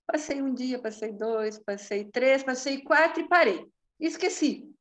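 Over a video call, a woman who works as a therapy practitioner gives a chatty testimonial. Her voice is high and a little slow, and she laughs often and tacks on tag questions.

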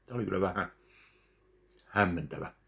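Deep gravelly man, slow deadpan. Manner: slow, deadpan, pauses between bites. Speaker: food vlogger. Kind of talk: casual eating review. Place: home kitchen, indoors. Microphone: webcam at close range.

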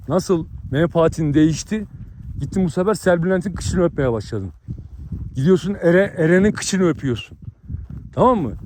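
A man's voice: sits high, a little mellow, no echo. A man vlogger, delivering a heated, boastful rant with crude insults at his viewers.

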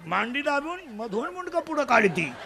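High-voiced man preaching a comic sermon. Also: moderate pace, gravelly. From Maharashtra. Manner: animated, loud bursts, mimics village folk. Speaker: kirtan preacher.

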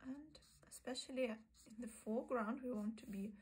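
A woman teaching a sketching lesson, narrating calmly and often half-whispering while she draws at a desk. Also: on the high side, normal speed, slightly rough. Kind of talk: soft-spoken drawing tutorial. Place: indoors at a desk, overhead camera on the sketchbook.

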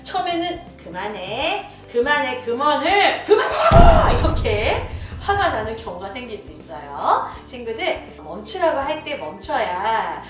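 A woman teacher with a high voice that leaps up and down as she talks to small children, acting out the voices she quotes. It sounds roomy and echoey, recorded from some distance, with soft music behind. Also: unhurried, few pauses. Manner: animated, acts out quoted voices. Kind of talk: lesson video for young children. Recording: echoey room from far off with music.

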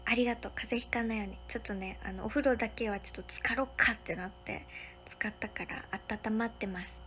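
A woman's voice: on the high side, fairly even intonation, quick pace, slight background noise. Chatty young woman. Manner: chatty, thanks viewers one by one, drops into soft whispers. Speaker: livestream host. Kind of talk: casual livestream chat, reading viewer comments. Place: hotel room.

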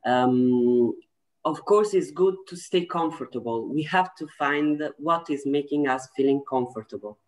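A woman in her forties joins a webinar panel from home over a webcam. She speaks thoughtfully, searching for her words with frequent fillers and pauses. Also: low voice. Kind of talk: conversational panel discussion. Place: home room, indoors. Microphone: laptop webcam video call.

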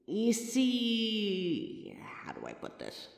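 A man's voice: high-pitched, wildly swooping pitch, drawn-out words, creaky, full character voice. A man voicing a person's own mirror reflection, a sentient being of light, who explains things patiently to the listener with chatty, wry asides. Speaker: audio roleplay voice actor. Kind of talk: scripted audio roleplay addressed to the listener. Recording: echoey room with long reverb.

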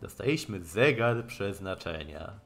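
A man live-streaming a game, reading its dialogue aloud haltingly and adding wry comments. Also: lowish voice, animated, vocal fry. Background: game music.

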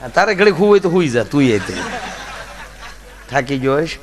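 A man's voice: fairly high pitch, brisk, background noise. A man telling comic folk stories on stage, acting out the voices of the people in them. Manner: lively storytelling with acted-out voices. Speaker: folk comedian. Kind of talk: Gujarati stand-up storytelling. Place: stage program before an audience.

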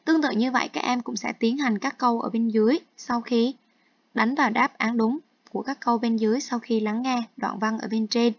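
Here a woman English teacher goes through textbook tasks in an online lesson, explaining each one in turn and blending English terms into her Vietnamese. Her voice sits on the high side, steady in tone and a little fast. There is no room sound in the dull, dry, low-fidelity recording.

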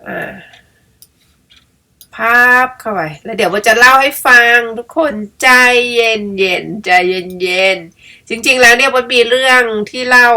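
Playfully recounting her own story as she edits pictures, the middle-aged vlogger is chatty, self-mocking and quick to laugh. Her voice sits on the high side, sounding pushed and bright.

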